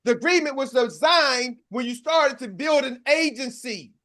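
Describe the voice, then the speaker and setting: A man in his sixties giving an energetic motivational talk as a sales coach, calling out to a live audience and repeating slogans. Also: extremely high pitch, moderate pace.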